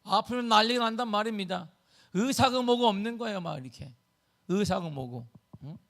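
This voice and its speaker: A middle-aged man preaching a sermon as pastor, telling a story with sudden swings between loud bursts and hushed asides. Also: high voice, expressive, normal speed, creaky.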